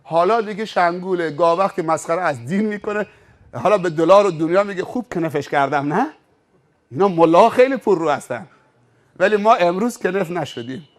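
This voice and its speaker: High-voiced man preaching emphatically. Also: expressive. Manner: emphatic, vivid, acts out scenes. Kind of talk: sermon with dramatized storytelling.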